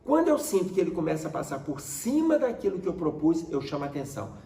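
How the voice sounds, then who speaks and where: A man's voice: on the high side, very animated, quick pace, creaky, warm tone. A man giving an explanatory talk to an audience, speaking animatedly and turning often to his listeners with rhetorical questions. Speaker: spiritist study presenter. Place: room with a presentation board. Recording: roomy echo, mic at a distance.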